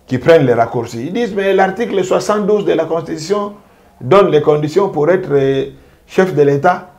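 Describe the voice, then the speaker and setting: A man speaking as a jurist, making a measured, emphatic legal argument and driving points home by repeating them. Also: a little high, lively intonation, darkish tone. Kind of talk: interview commentary.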